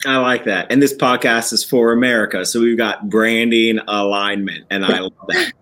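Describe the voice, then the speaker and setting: A man's voice: medium pitch, fairly even intonation, normal speed, pushed and bright. A man hosting a podcast from a church building, introducing and interviewing a guest with enthusiasm and some restarts. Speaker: podcast host.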